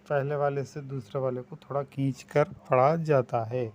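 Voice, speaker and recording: A man's voice: mid-range voice, flat delivery, darkish tone. A man with an Urdu-speaking South Asian accent teaching a language lesson, patiently repeating and stretching out vowel sounds as he explains them. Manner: patient, drawn-out vowel demonstrations. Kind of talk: slow spoken language lesson.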